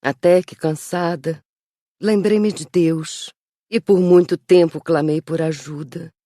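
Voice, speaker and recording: Woman voicing an ashamed, weary woman, low-key and mellow. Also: fairly even intonation, slow pace, dry recording, studio quality. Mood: ashamed, sorrowful. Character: ashamed, weary woman spirit, recovering alcoholic. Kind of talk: audiobook character reading.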